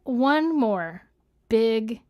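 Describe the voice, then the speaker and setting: A woman's voice: fairly high pitch, animated, very slow, darkish tone. A woman co-hosting a casual livestream, chatting through announcements for the audience. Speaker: show co-host.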